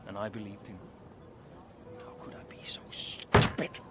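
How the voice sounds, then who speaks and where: An actor playing a proud, wounded older racing driver in a video game cutscene, guarded and terse. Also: male voice, fairly low pitch, level tone, unhurried, in a whisper, lightly acted. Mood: rueful, resolute. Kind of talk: cinematic game dialogue.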